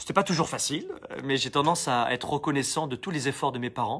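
Here a man speaks at a fairly quick pace. His voice is fairly high, with ordinary pitch variation. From Avignon, southern France. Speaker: coach and entrepreneur. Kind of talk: live Q&A, motivational talk. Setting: outdoors in a forest, live stream. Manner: animated, energetic, promotional.

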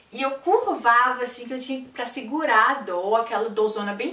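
A woman speaks in a high pitch at a fairly quick pace. Audible room echo surrounds her voice. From Brazil. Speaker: fitness vlogger. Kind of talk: casual vlog monologue. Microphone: camera far.

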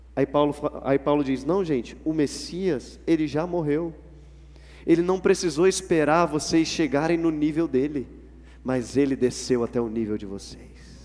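Animated in tone, a man speaks at a moderate pace with a fairly high pitch and ordinary pitch variation. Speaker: pastor. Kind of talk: sermon. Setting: church. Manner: animated, earnest preaching with emphatic repetition.

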